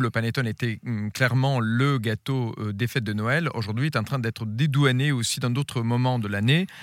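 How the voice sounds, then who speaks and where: The speech moves at a moderate pace with fairly even intonation, in a very clean recording with a silent background. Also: man. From Italy. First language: Italian (speaking French). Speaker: food journalist. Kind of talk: radio interview.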